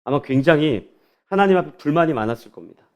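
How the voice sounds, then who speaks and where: High-voiced male pastor preaching. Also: lively intonation, fast. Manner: earnest, addresses congregation directly. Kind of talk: sermon.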